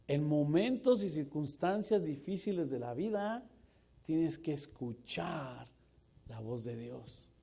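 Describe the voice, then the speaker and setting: Pastor, male, 40s; mellow voice, animated sermon delivery. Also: a little high. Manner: lively, jokey preaching that swings from loud to hushed.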